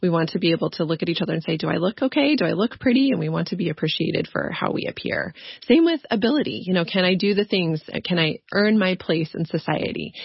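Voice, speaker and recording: Here a woman speaks at a very fast pace with lively intonation. Her voice is medium-pitched and has vocal fry. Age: 40s. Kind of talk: interview.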